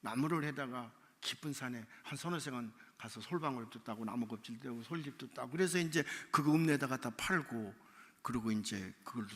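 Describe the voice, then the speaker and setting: A man preaching a revival sermon in a church, telling a story and acting out its dialogue, sometimes shouting and crying out the lines. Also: medium pitch, fairly quick. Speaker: pastor. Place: church sanctuary. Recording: church hall reverb.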